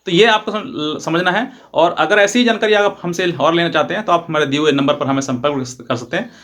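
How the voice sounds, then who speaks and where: A man's voice: on the high side, fairly quick, a bit bright. A man, an advocate, gives an informal, repetitive explainer and mixes in English legal terms. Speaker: advocate presenting legal advice videos.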